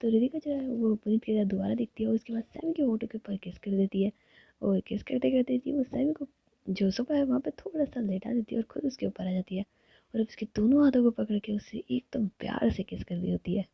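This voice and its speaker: A woman narrating a romantic story in a soft, intimate, husky and breathy voice. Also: a little high, a little fast, dry recording, lo-fi sound.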